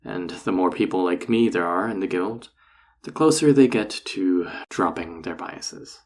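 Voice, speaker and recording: A man playing a flirty, encouraging enchanter boss in an intimate roleplay audio drama, teasing and reassuring in a husky, gravelly voice. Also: sits low, measured pace, darkish tone. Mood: mildly irritated.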